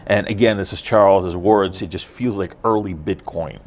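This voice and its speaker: Deep-voiced man. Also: a little mellow, slight background noise. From Ukraine. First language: Russian. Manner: halting, many fillers and restarts. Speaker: guest explaining blockchain tech. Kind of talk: casual interview answers.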